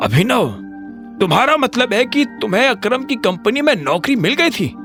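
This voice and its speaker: A man voicing a middle-aged father, measured and questioning. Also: extremely high pitch, sing-song, over music, pitched above the performer's own voice, heavily acted. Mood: puzzled.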